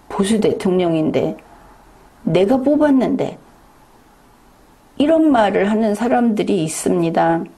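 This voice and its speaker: A woman's voice: medium pitch, mellow. A woman giving a political commentary monologue, lecturing viewers directly and pressing them with rhetorical questions.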